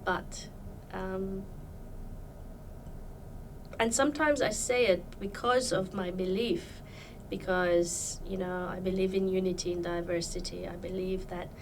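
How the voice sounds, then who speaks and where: A woman's voice: medium pitch, steady tone, measured pace, gravelly, distant mic, a little hiss or hum, low-quality recording. A woman from Iran, a podcast guest, talking about her life in a thoughtful, hesitant way with many fillers. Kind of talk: casual interview chat.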